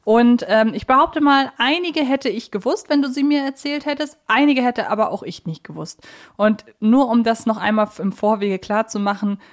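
A woman's voice: a little high, normal speed. Chatty woman hosting a podcast. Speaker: podcast host.

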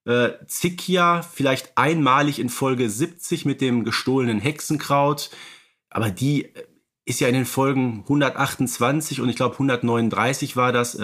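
A man's voice: mid-range voice, fairly bright tone. A man co-hosting a fan podcast, talking casually and rambling with many fillers and restarts. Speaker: podcast co-host.

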